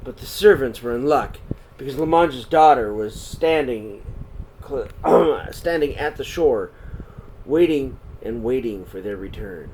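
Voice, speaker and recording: A man's voice: mid-range voice, animated, a little slow. Man reading a children's story, noisy background. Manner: dramatic, swinging between hushed and projected. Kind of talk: expressive read-aloud storytelling. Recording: clear background noise.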